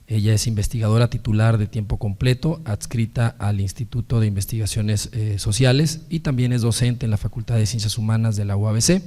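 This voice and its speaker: Male moderator. Hoarse and sepulchral from illness, mellow dark tone, formal and halting. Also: lowish voice. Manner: halting, frequent hesitations and repeated words. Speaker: moderator of a book presentation. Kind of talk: formal academic introduction, partly read out.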